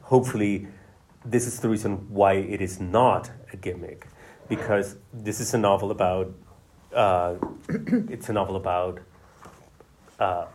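A male novelist, a guest in a conversational interview, explaining his ideas at length in a measured way. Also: lowish voice.

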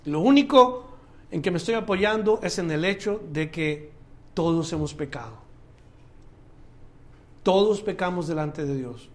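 Male pastor, high-pitched, emphatic sermon delivery with loud peaks and soft drops. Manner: preaching with rising emphatic bursts and quiet drops.

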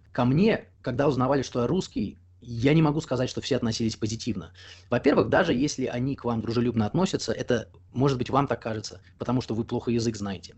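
A young man being interviewed, talking at length in an opinionated way, often pausing on fillers. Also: medium pitch, darkish tone, husky. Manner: talkative, opinionated, explains at length with frequent fillers. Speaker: interview guest. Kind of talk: casual conversational interview.

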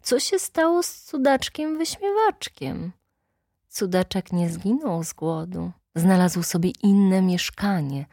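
Slow, dry-voiced woman reading a storybook. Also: low-pitched, husky, no echo. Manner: slow, expressive, animated quoting.

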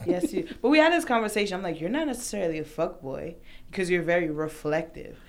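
A blunt New woman guesting on a podcast, telling stories with lively emphasis. She curses freely and doesn't hold back. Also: lowish voice, fast. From Haitian family. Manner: blunt, animated storytelling, cursing. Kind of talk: casual chat.

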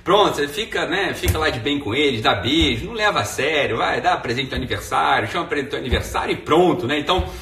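A man's voice: on the high side, expressive, fast, few pauses, bright, forceful tone, far from the mic, a little hiss or hum. A man with a Brazilian Portuguese accent hosting a live stream from home, rambling in slang and tagging his sentences with "né". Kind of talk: casual live stream monologue. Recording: echoey room, voice off mic.

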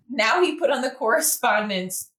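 A woman's voice: a little high, a bit bright. Woman lawyer in an echoey room, amused. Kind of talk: podcast storytelling. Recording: roomy, echoey mic.

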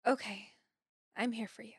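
A woman's voice: fairly high pitch, steady tone, normal speed, gravelly, husky, dry recording, studio quality, exaggerated voice. A woman playing a determined, confrontational heroine in an audio drama, blunt and challenging. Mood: supportive, resolute. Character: determined, confrontational young woman taking on powerful man.

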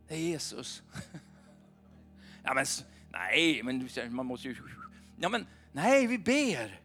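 High-voiced man preaching chattily. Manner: chatty, animated, keeps asking the crowd "va?". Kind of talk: informal sermon. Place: church meeting.

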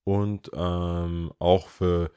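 A man co-hosting a casual podcast chat, animated, dropping English words into his German and pausing to search for words. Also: low voice, smooth, no room sound. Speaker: podcast co-host.

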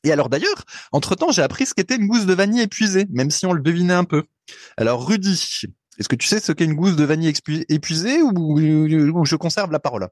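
A man's voice: a little high, expressive, fast talker, no room sound, clean studio sound. A man co-hosting a casual podcast, explaining things at length in a chatty way and laughing easily. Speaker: podcast co-host. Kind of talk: casual chat.

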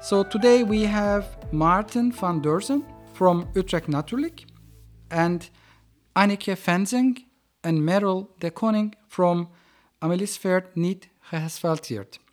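A man's voice: high-pitched, slow, soft background music. A man hosting a podcast panel discussion from an office, speaking with frequent hesitations and fillers. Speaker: podcast host.

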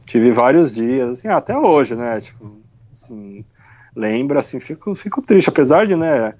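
A Brazilian man tells a story in a relaxed, animated way, with lots of slang fillers. His voice sits at a medium pitch. The recording sounds a little muffled. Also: measured pace. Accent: Brazilian Portuguese. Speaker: podcast guest, cycle traveler. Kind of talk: casual storytelling.

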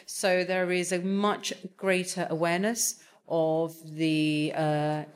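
A woman's voice: fairly low pitch, flat delivery, slow, clear, resonant tone. A woman talking on a panel, hesitant, with many fillers and restarts. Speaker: TV executive on a panel. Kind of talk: conversational panel talk.

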